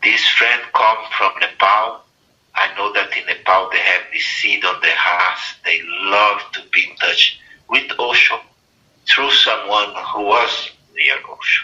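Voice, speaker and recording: A man with a Brazilian accent talks at a very slow pace. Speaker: former journalist, meditation center leader. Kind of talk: interview.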